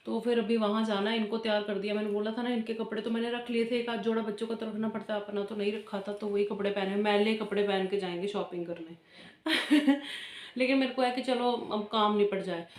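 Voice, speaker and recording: A woman's voice: mid-range voice, steady tone, brisk. A woman, chatting casually at home for a family vlog into a phone camera. She rambles on and laughs between sentences. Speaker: family vlogger. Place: at home indoors. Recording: echoey room.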